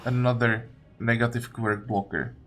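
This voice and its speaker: A man giving casual gameplay commentary, thinking aloud as he deliberates step by step. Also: mid-range voice, fairly even intonation, a bit bright. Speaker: gamer narrating own playthrough. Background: game music.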